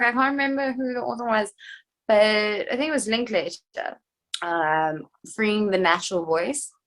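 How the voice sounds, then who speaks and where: A young adult woman from South Africa, an actress talking in a casual podcast chat, chatty and animated with quick asides. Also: medium pitch. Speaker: actress guest.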